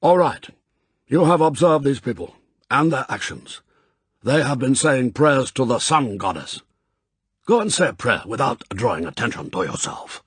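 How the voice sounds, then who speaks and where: A man's voice: mid-range voice, very animated, normal speed, breathy edge, no room sound, voice pushed up. A man voicing a proud Japanese spymaster in an audiobook, formal and courtly, zealous and sternly gracious. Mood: instructive. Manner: formal, stilted, courtly phrasing.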